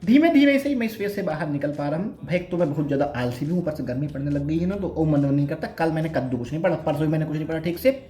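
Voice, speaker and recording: A man's voice: on the high side, expressive, quick pace, warm tone. Chatty young man in a roomy room. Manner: chatty and self-mocking, addresses viewers as brother. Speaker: bank exam aspirant vlogger. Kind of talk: casual advice vlog.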